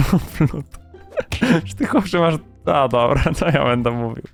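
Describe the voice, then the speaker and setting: A man giving excited, rapid game commentary, repeating phrases and breaking into shouts as he plays. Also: mid-range voice, creaky, soft background music. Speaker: gaming YouTuber.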